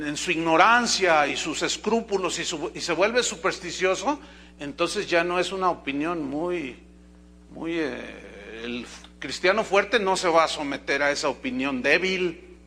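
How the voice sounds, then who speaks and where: A man's voice: a little high, bright, forceful tone. A man with a Mexican Spanish accent preaching a sermon in a church, talking conversationally, acting out quoted exchanges and asking the congregation questions. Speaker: pastor.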